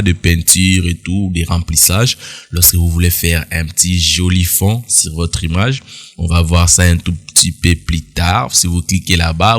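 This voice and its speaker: Man, very low voice, casual software tutorial, explains step by step to viewers. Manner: explanatory, addresses viewers directly, casual asides. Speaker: tutorial instructor. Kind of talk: screen-recorded software tutorial.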